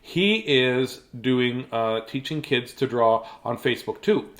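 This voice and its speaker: A man's voice: medium pitch, expressive, takes it slowly. A man chatting casually and playfully while reading bedtime storybooks to children on a livestream.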